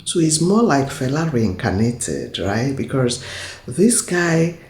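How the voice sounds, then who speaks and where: A woman reacting to a video in casual commentary, thoughtful and hesitant with pauses. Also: a bass voice, very animated, darkish tone. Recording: echoey room.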